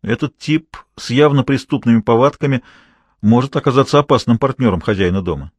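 A man as a calm, composed detective. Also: medium pitch, fairly quick, slightly rough, no room sound, studio quality, natural voice. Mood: calm, wary. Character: calm, principled male detective.

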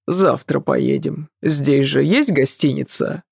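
Woman reader doing a steady young man for an audiobook: low, gravelly, slow, dry close mic. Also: dry recording, exaggerated voice. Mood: calm, firm. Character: calm firm young man, steady partner.

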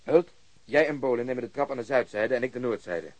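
Male actor gruff cop in charge, radio play: rapid, curt, sardonic delivery in a very dry studio. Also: medium pitch, lively intonation, no room sound, natural voice. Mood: commanding. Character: gruff, blunt, impatient police officer taking command. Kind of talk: radio drama acting.

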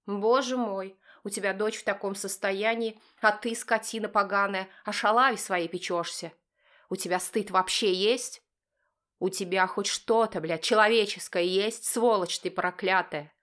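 A woman voicing a furious, hysterical wife who shrieks accusations in a raised, shrill voice. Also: steady tone, measured pace, fairly bright tone, natural voice.

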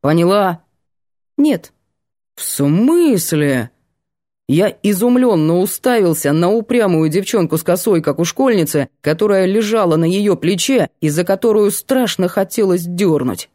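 Low, mellow woman narrating a story. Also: animated, moderate pace, few pauses, no echo, studio quality. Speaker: audiobook narrator. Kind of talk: first-person audiobook narration.

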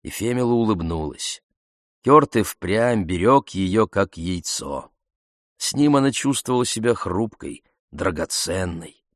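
Low male voice reading a novel, calm and measured, super dry close mic. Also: dry recording. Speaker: audiobook narrator. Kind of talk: scripted audiobook narration.

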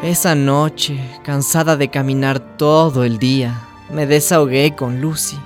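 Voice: mid-range voice, fairly even intonation, unhurried, close to an everyday voice. An actor voicing a timid, hopeful young trans woman from a village in a radio drama, telling and living the story. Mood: weary, confiding. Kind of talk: radio drama narration and dialogue. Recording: music under the voice.

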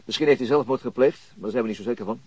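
Give the radio drama a reserved, polite chief inspector played by a man. He is laconic and formal, hesitating now and then. His voice sits at a medium pitch and has a husky grain. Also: racing, no room sound, close to an everyday voice. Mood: matter-of-fact. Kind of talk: naturalistic radio drama acting in Dutch.

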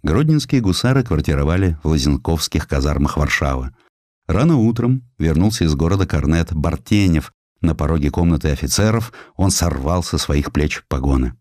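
Deep male audiobook narrator, historical story, measured n dramatic w pauses, very dry studio sound. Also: lively intonation, darkish tone, dry recording. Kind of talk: scripted literary narration of historical essays.

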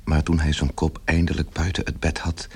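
A man with an extremely deep, very husky voice reads literary narration for a radio play. His delivery is grave and measured, with music faintly behind. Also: monotone, a little mellow.

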